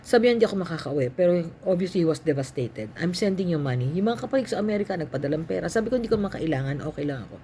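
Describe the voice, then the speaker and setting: An older woman with a Filipino accent tells a personal testimony of her illness in a calm, matter-of-fact way, acting out the voices of others. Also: lowish voice, very fast, a little hiss or hum. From Philippines. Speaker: cancer survivor sharing her story.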